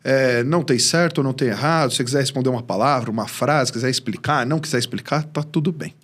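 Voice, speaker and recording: A man's voice: mid-range voice, quick pace, a bit bright. A man hosting a casual interview, joking and laughing often. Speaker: podcast host.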